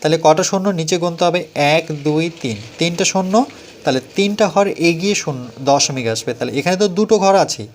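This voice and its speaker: A male math teacher with a West Bengal Bengali accent walks through a lesson slowly, counting steps aloud and asking himself questions before he answers them. His voice sits a little high for a man. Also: slight background noise. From West Bengal, India. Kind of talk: step-by-step classroom explanation.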